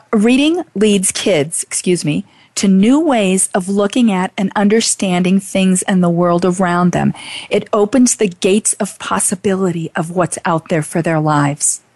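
A woman hosting an interview, earnest and effusive, halting as she gathers her thoughts. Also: mid-range voice, a little mellow, dry recording. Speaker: interviewer, show host. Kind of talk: casual interview.

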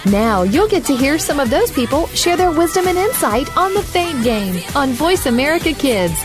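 A woman's voice: sits high, very animated, normal speed. A woman announcing the opening of a radio show in an upbeat, sing-song way. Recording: voice over a clear music bed. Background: music playing under the voice.

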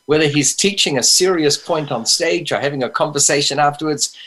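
A man with a slightly high voice tells stories as a podcast guest. His humor is wry and self-deprecating, and he often chuckles at his own lines. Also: a little fast, a bit bright. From New Zealand. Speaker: interview guest. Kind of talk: storytelling in interview.

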